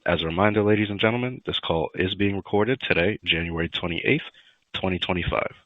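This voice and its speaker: A man with a very deep voice reads call instructions in a polite, formal announcer style. The sound is dry and close, yet dull and muffled. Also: fairly quick, no room sound. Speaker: conference call operator.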